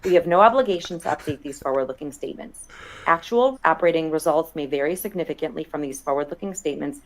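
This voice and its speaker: A woman's voice: deep voice, quick pace, poor audio. A woman executive in investor relations, reading a formal scripted statement on an earnings conference call.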